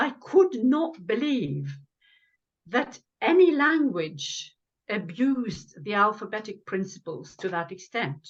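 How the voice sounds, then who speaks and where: A woman speaks with a Lithuanian accent at a very slow pace. Her fairly high voice has very wide pitch swings and vocal fry. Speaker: former English teacher and spelling author. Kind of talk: interview talk.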